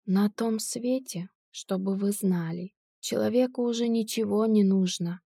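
A woman voicing a drunk, cold-blooded male tramp who robs graves, speaking slowly and sneeringly in an audiobook. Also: medium pitch, warm tone, breathy edge, no echo, studio quality.

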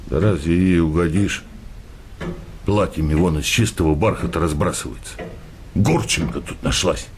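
An actor playing a naive, grumbling, hard-drinking working-class husband in a comic radio play, with coarse, colloquial delivery. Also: male voice, low-pitched, normal speed, slight background noise, natural voice. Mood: grumbling, aggrieved.

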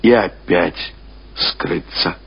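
Husky male narrator, old radio sound. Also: low voice. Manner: measured, expressive storytelling with deliberate phrasing. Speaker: literary narrator. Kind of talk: scripted literary narration, radio reading of a classic novel. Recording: dull lo-fi radio recording.

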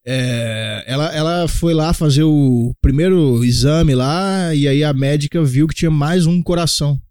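A man's voice: on the high side, a little slow, darkish tone, smooth, dry recording. Storytelling man on a dry mic. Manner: storytelling, acting out quotes with laughs. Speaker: podcast co-host. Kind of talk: casual comedic podcast banter.

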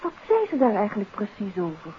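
An actress playing a detective's curious, weary wife in a 1950s radio drama. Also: female voice, medium pitch, huge pitch swings, brisk. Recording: muffled 1950s radio recording, faint noise.

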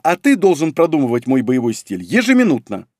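A woman's voice: low voice, sing-song, a little fast, darkish tone, no room sound, studio quality. A male audiobook reader voicing a pushy, pregnant young redheaded wife who nags insistently. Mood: demanding. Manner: insistent, nagging. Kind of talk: audiobook reading.

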